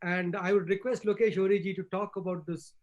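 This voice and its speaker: A man with a distinctly high voice and a posh, educated Indian accent. He speaks in a formal, measured way with carefully ornate phrasing, as in a public talk. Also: flat delivery, darkish tone, muffled recording. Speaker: panel speaker, forest service officer. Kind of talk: formal conversational talk on history.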